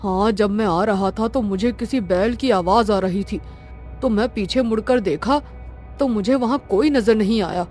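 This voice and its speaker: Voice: mid-range voice, a little slow, darkish tone, close to an everyday voice. A woman voicing a tired, nervous village man in a cartoon, speaking in a plain, dismissive way. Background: background music.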